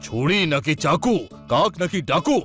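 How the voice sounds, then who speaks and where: A man's voice: a little high, big pitch swings, normal speed, fairly bright tone. A man voicing a goofy, complaining cartoon buddy who talks in singsong rhymes. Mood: comic grumbling. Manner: singsong rhyming, dramatic complaining. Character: goofy, whiny, rhyming cartoon buddy, comic male. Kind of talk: children's cartoon dub. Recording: faint music behind.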